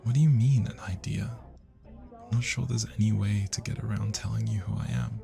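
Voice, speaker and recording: Shy, smitten British student, played by a man, low and gravelly, soft hesitant ASMR delivery with party music behind. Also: steady tone, a little fast. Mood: anxious. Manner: soft, hesitant, breathy sighs and whispers. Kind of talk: intimate roleplay ASMR acting. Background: party music and crowd chatter.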